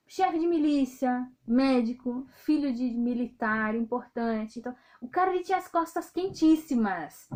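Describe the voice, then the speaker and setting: Brazilian woman in her 30s, high voice, blunt and loud, just ranting to her viewers. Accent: Brazilian Portuguese. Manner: outspoken, often loud and indignant. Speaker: video host. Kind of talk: casual monologue to viewers.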